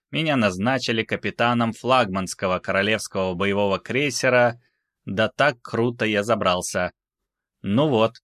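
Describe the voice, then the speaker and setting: A man voicing an ancient, courteous cyborg, once a captain, who tells his story in an unhurried, reflective way in a science fiction audiobook. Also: lowish voice, a bit bright, no echo, clean studio sound.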